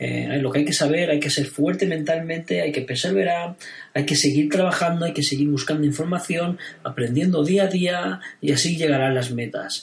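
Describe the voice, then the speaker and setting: This man speaks at a moderate pace, his fairly high pitch showing ordinary pitch variation. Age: 40s. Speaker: podcast host and online business coach. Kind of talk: motivational podcast monologue. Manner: hesitant with fillers.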